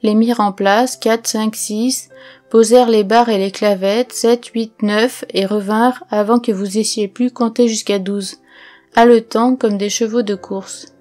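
Woman reading a storybook in an even tone. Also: on the high side, unhurried, faint music behind. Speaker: audiobook reader. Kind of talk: scripted narration.

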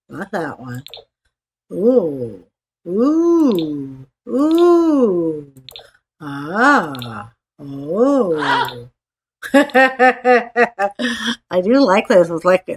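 Slow-paced woman gamer, slightly stuffed-up. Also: medium pitch, slightly rough. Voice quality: stuffed-up, congested nasal sound. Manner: playful, chatty self-talk with repeated phrases. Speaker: gaming video host. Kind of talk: casual rambling gameplay commentary. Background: voice-over for a screen-recorded game.

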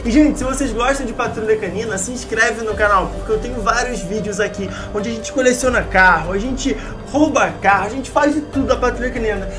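A woman with a high voice hosts a gaming video as a playful storyteller. She questions her characters theatrically, like an accusing investigator, with music playing behind her. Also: fairly quick, few pauses. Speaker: host of a gaming video channel. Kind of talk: playful improvised story narration with game characters.

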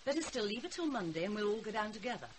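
Weary, sarcastic mother played by an actress, lively intonation. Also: medium pitch, racing, natural voice. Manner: dry, sardonic, brittle. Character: weary, sarcastic mother of a rebellious teenage girl. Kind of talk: naturalistic radio drama acting. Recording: hissy radio drama recording.

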